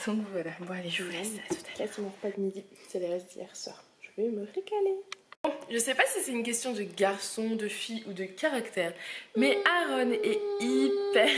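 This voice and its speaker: A woman's voice: medium pitch, background noise. A woman, a mother, casually narrating her day at home to the camera in a family vlog.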